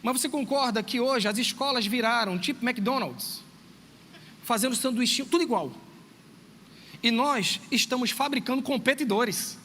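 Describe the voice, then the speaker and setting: A pastor who is also a schoolteacher delivers a sermon in a church sanctuary, his high, bright, ringing voice acting out bits of dialogue and calling directly to his listeners. He tells his stories animatedly at a moderate pace. A long reverb trails through the hall over faint underlying noise.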